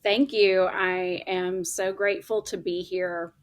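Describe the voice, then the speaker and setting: A woman's voice: mid-range voice, little pitch movement, slow pace. A middle-aged woman with an Oklahoma accent, a guest chatting in bursts about her work as a coach. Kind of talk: casual chat.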